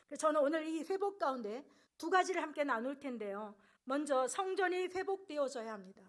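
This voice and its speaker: A woman preaching a sermon in earnest, rising loud on key phrases and dropping soft at the ends of sentences. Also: high voice, expressive, brisk.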